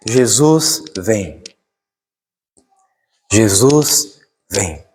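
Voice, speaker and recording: This Brazilian-accented man delivers an expressive sermon, shifting from hushed, unhurried passages to high, pressing ones. A long reverb trails his words, and there's slight hiss or hum underneath.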